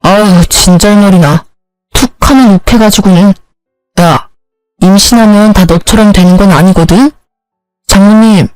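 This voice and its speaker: A woman's voice: medium pitch, a little mellow, no echo, close to an everyday voice, rough recording. A woman playing a bossy, rude husband. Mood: scornful. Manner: curt, demanding and scolding. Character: rude, self-centered young husband.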